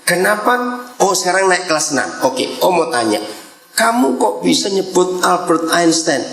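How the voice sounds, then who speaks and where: A man with a high, bright-pitched voice preaches to a young congregation, quick to tease and fire questions at the room. The sound carries the echo of a church hall. His delivery stays lively and playful. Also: vocal fry. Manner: lively, teasing, quizzes the congregation. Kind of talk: interactive youth sermon.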